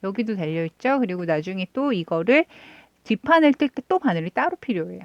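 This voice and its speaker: A woman hosting a knitting channel, chatting casually and rambling through stories in a soft, low-key voice as she knits. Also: big pitch swings, a little fast, no echo, muffled recording. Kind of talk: casual chat while knitting.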